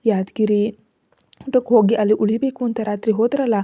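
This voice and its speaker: A woman voicing a caring young daughter-in-law in a storybook reading, gentle and reassuring. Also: a little high, steady tone, brisk, no echo, dull audio, natural voice.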